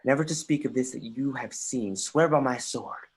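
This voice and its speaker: An intense young prince played by a man speaks Shakespearean verse in a medium, husky register. He is wry and erratic, impassioned but halting in his delivery. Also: medium pitch, natural voice. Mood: urgent. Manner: impassioned, halting reading with stumbles. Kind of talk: Shakespearean verse in a livestreamed dramatic reading. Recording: remote livestream audio.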